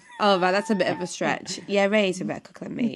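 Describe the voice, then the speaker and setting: A woman speaks with a Yorkshire accent. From northern England, Leeds, Yorkshire. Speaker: family content creator. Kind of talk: casual chat.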